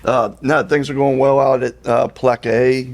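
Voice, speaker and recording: Man, contractor, gravelly voice, halting delivery, lots of fillers. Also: mid-range voice, little pitch movement. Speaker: construction contractor. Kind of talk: project status report.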